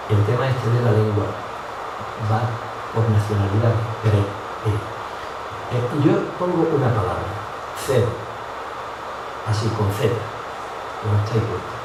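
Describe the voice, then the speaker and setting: A man with an Andalusian accent gives an informal talk to an audience in a room, asking rhetorical questions and acting out little dialogues. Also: fairly low pitch. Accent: Andalusian Spanish. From Andalusia, Spain. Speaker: public speaker. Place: room in a public building. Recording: distant mic, echoey room, loud background noise.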